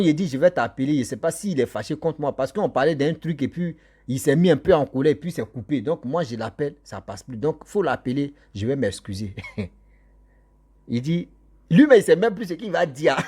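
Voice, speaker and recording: A man's voice: mid-range voice, darkish tone, slightly rough. A man telling a ghost story casually, laughing often and acting out the people in it.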